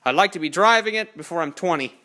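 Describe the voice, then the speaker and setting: A man's voice: a little high, expressive, fast talker, pushed and bright. Rambling eighteen-year-old guy in a garage. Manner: rambling, self-correcting, plain-spoken. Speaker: hobby car builder. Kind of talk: casual garage walkthrough. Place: home garage, indoors. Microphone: handheld phone camera.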